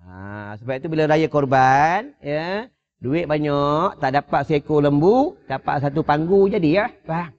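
A man with a Malaysian Malay accent giving a mosque sermon, telling stories with animated asides to his listeners. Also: fairly high pitch, unhurried, muffled recording. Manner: animated storytelling, addresses audience as "tuan-tuan". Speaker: preacher. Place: mosque hall.

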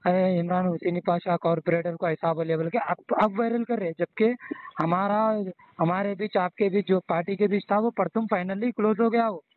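A man's voice: sits high, steady tone, normal speed, no room sound. A man with a Hyderabadi accent explaining himself deferentially and repetitively as a caller on the phone. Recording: tinny narrowband phone line.

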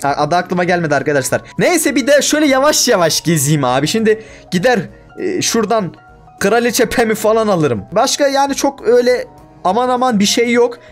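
Young male gamer, high and very animated voice, excitable commentary with dramatic exasperation, faint music underneath. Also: fairly quick. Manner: excitable, exaggerated frustration, talks to himself. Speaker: gaming YouTuber. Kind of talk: casual gameplay commentary.

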